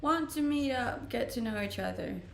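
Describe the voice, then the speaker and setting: A woman's voice: on the high side, expressive, moderate pace, gravelly, far from the mic. Chatty young Danish-born woman streaming. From Denmark. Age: 20s. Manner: chatty, laughing often, restarting sentences. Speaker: live streamer. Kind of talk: casual chat reading stream comments. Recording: roomy echo, voice off-mic, faint noise.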